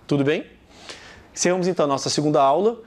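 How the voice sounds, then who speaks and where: Brazilian guy teaching a lesson, fairly high voice, keeps hammering the same point home. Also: expressive, quick pace. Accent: Brazilian Portuguese. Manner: emphatic, repeats points, acts out little example sentences. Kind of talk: classroom lesson.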